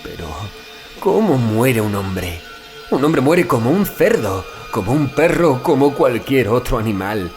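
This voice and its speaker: A man narrating a horror audiobook in a dramatic, solemn and deliberate literary manner. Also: mid-range voice, big pitch swings, a little mellow. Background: background music.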